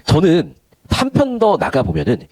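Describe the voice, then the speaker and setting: A man's voice: on the high side, wildly swooping pitch, normal speed, darkish tone, dry recording. A man teaching Korean literature in an online lecture. He talks in a chatty way and moves between polite and casual speech. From Gyeongsang region of Korea.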